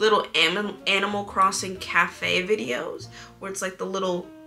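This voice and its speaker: Against faint background music, a woman talks at a moderate pace with ordinary pitch variation and big swings in loudness. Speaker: book vlogger. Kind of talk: casual vlog chat. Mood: relaxed, amused. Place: home room. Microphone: phone near.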